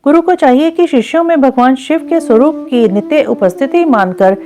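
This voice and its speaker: A woman reciting a Hindu scripture in a measured way, slowing down to chant the Sanskrit verses. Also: sits high. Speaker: scripture reader. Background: faint background music.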